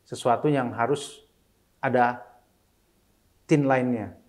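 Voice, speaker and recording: At a slow pace and medium pitch, a middle-aged single father speaks as an interview guest. He talks casually, blending in English phrases, and becomes animated quoting his children.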